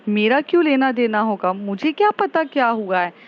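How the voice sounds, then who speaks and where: A woman's voice: on the high side, expressive, moderate pace, lo-fi sound, close to an everyday voice. A woman voicing Ragini, a defensive young woman under suspicion who answers in indignant denial.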